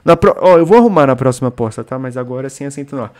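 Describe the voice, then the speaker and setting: Rapid-fire and lively in intonation, this young Brazilian-accented streamer narrates his gameplay in slang, talks with his audience, and periodically erupts in shouting. His voice sits in the mid range.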